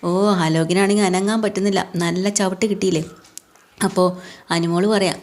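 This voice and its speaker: A woman's voice: mid-range voice, fairly even intonation, brisk, darkish tone. A woman casually retelling a TV serial episode for her viewers, chatty, with friendly tag words at the ends of her lines. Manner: chatty, tag-ending asides. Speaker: serial recap narrator.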